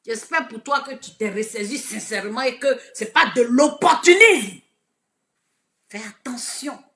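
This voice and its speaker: A woman with an Ivorian French accent giving an impassioned, preachy live video address, swinging from shouted lines to hushed asides. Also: fairly high pitch, expressive, a little slow. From Côte d'Ivoire. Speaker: online commentator.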